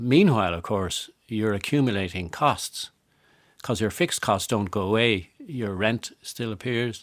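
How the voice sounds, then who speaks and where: On a very clean recording with a silent background, a man with a Dublin accent talks at a fairly slow pace and fairly low pitch with ordinary pitch variation. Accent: Irish (Dublin). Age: 60s. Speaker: business owner. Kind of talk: radio interview. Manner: halting, many fillers and repetitions.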